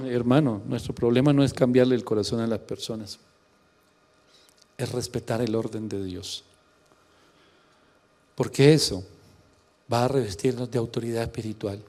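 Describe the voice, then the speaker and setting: A man, a pastor preaching a sermon, impassioned, swinging between hushed lines and emphatic ones. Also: mid-range voice, moderate pace, pauses often.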